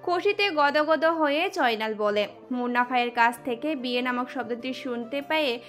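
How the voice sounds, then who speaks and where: A woman's voice: high voice, moderate pace, a bit bright. A woman reading a scripted dramatic story as the narrator of an audio drama. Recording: music under the voice.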